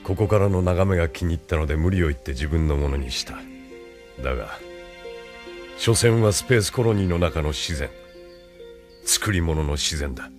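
A very deep, cunning commander. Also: male voice. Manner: commanding, calm and musing. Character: cunning male military leader, coolly commanding. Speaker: leader of the secret police. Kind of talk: radio drama acting.

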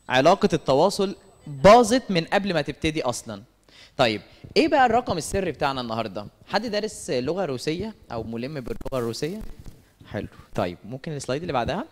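A man with an Egyptian accent giving a lively church talk, asking the audience questions and answering them himself. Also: fairly high pitch. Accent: Egyptian Arabic. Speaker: speaker at a church service meeting. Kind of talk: lively sermon-style talk with stories. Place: church hall. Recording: long reverb of a church hall.

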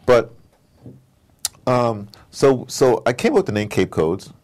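A man's voice: mid-range voice, big pitch swings, slow pace, a little mellow. A middle-aged or older man in casual conversation as an interview guest, emphatic and rambling with slangy turns of phrase. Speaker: interview guest, audio drama producer.

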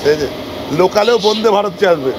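A man's voice: animated, moderate pace. A man giving a casual travel vlog, chatting and explaining things to viewers and companions. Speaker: travel vlogger. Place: aboard a local train. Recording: noisy train ambience. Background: train and vehicle rumble.

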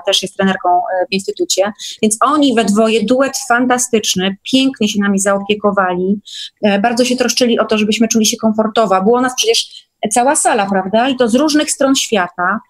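Casting: female guest, fairly high voice, casual and chatty, seeks agreement as she talks. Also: rough recording. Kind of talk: casual chat in an online meeting.

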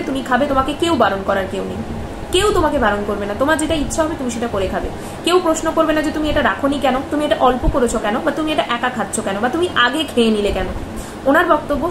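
Young woman, commentary vlog, indignant rhetorical questioning, high voice, audible background noise. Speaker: vlogger. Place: bedroom, indoors. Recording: echoey room with background noise.

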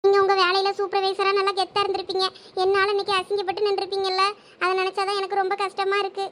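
A woman's voice: very high-pitched, completely flat delivery, fast talker, fairly bright tone, a little hiss or hum. A woman acting as a young wife in a village family comedy-drama, talking in a pleading, emotional way. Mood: upset. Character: young wife, tearful then shy. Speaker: actor in a village family skit.

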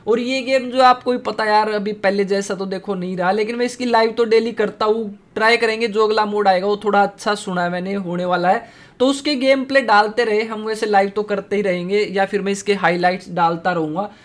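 A man streaming a mobile battle game, chatting casually and pleading excitedly with other players. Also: sits high, fairly quick. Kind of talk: casual gaming commentary.

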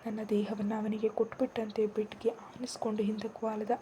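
A woman reading a first-person romance story in a soft, half-whispered, intimate way. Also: medium pitch, monotone, brisk, slight background noise.

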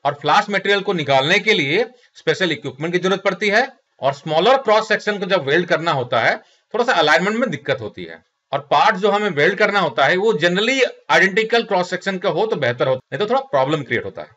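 A man's voice: sits high, expressive, quick pace, sharp tone. A middle-aged man with an Indian accent, teaching a technical lesson over slides, explaining step by step and addressing viewers as friends. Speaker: instructor. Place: small studio room indoors. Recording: slightly dull lo-fi sound.

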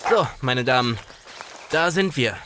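Man playing a calm, gallant companion, mid-pitched. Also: unhurried, very noisy, lightly acted. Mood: genial. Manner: reassuring, gently teasing. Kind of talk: audio drama acting.

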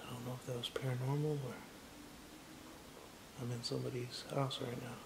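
A man's voice: medium pitch, level tone, brisk, vocal fry. A young man narrates his walk through a large empty house for his camera, awed and on edge, calling out into the rooms and dropping to a whisper. His tone stays fairly level. The bare rooms ring with echo, and a faint hiss sits under the camera mic. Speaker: urban explorer. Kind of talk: exploration vlog narration. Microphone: handheld camera mic.

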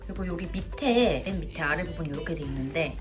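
Lively young woman reviewing food over music. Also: sits low, fast, roomy sound. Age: young adult. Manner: expressive, playful. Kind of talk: casual review chat to camera while tasting baked goods. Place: small living room at home, also a cafe. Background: background music.

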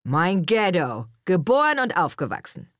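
A woman's voice: on the low side, sing-song, unhurried, fairly bright tone, no room sound, clean studio sound. A woman reading an audiobook, playing a cocky young man who speaks in a sarcastic, teasing way. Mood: mocking.

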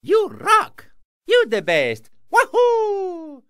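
A woman's voice: extremely high pitch, wildly swooping pitch, drawn-out words, fairly bright tone, no echo, clean studio sound, full character voice. A woman voicing a cheerful adult male Italian plumber hero in a video game, with an exaggerated Italian accent and a playful, exclamatory manner. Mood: cheery.

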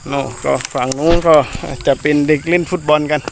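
A man talking casually to viewers in an explanatory vlog, hesitant and repetitive, with many drawn-out filler pauses. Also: fairly high pitch, steady tone. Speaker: soldier vlogger addressing viewers. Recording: noisy outdoor recording with insect ambience.

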